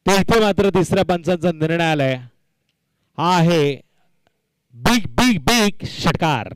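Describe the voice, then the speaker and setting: Male cricket commentator, smooth resonant voice pitched a little high, emphatic live delivery. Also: animated, a little slow, dry recording, poor audio. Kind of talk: live local tournament cricket commentary with announcements.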